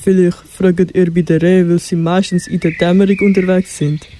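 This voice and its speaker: A student voicing a kind, helpful owl in a school radio play, speaking in a calm, friendly way. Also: male voice, sits high, moderate pace, slight background noise, close to an everyday voice.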